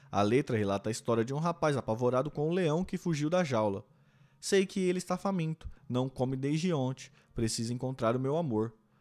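On a very clean recording with a silent background, a man with a plain, everyday voice talks at a fairly quick pace with lively intonation. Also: medium pitch for a man. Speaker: audiobook reader and live streamer. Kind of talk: audiobook reading. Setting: live stream, home setup. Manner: measured, even reading-aloud pace, formal book prose; casual, chatty and friendly between readings.

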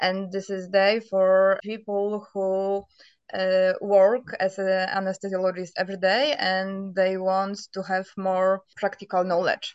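In a Polish accent, a woman speaks very slowly with a monotone, flat intonation. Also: medium pitch for a woman. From Poland. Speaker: veterinary anesthesiologist, event organizer. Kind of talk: casual interview.

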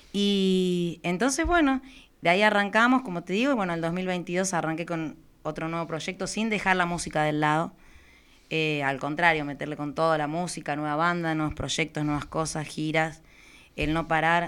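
Pitch varies in an ordinary way as the speech moves at a moderate speed. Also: woman, fairly low pitch for a woman. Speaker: cumbia singer and streaming show host. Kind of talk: casual radio interview. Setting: radio studio.

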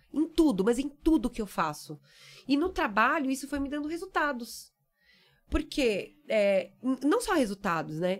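The recording is very clean, with a silent background. A woman speaks at a high pitch with very wide pitch swings. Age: 30s. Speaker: former telemarketing worker and entrepreneur. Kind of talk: interview.

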